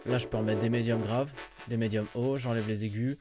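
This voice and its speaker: A man hosting a casual software tutorial, explaining in an informal way with self-deprecating asides. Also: mid-range voice, fairly even intonation, brisk, over loud music. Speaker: tutorial host.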